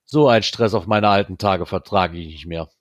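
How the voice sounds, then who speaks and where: A man's voice: deep voice, moderate pace, no echo, close to an everyday voice. Audiobook figure: a man voicing a worn-out older office worker, weary and clipped, dry close sound. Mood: exhausted.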